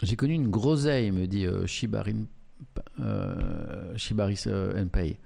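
A man's voice: on the low side, unhurried, creaky, warm tone. A man, streaming live and reading out and reacting to viewer chat in a chatty, amused way.

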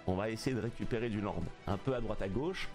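A man, a streamer giving relaxed, low-key commentary on a strategy game. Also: fast, faint music behind.

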